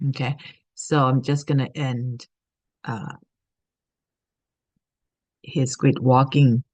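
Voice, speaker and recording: A woman's voice: extremely low pitch, little pitch movement, slow pace, a little mellow, no room sound. Earnest woman teaching spirituality, dry sound. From Thailand. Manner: earnest, repeats "okay?" often.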